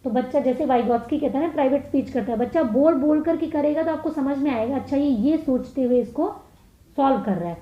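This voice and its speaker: A woman with an Indian accent, a teacher working through exam questions, reading each one out slowly and then explaining it quickly. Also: sits high, animated. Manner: reads English slowly, explains fast in Hindi. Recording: echoey dull room sound.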